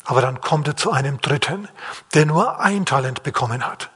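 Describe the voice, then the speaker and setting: A man's voice: a little high, lively intonation, normal speed, sharp tone, slightly rough. A man preaching a sermon in a plain-spoken, questioning way, acting out the quotes. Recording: long hall reverb.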